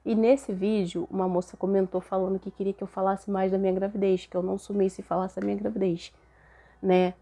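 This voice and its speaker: A young Brazilian woman with a Brazilian Portuguese accent, hoarse and a little nasal from a cold, chatting casually to camera as host of her faith channel, often tagging her sentences with questions. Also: medium pitch, flat delivery, fairly quick, dark tone. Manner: chatty, frequent tag questions.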